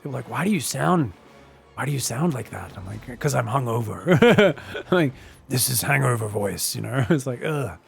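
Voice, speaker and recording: Man, esports caster, gravelly, phlegmy, excitable, faint background music. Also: medium pitch, normal speed. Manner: excitable, shouts on big plays, then breaks down mistakes. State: phlegmy after being sick. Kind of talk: solo game commentary.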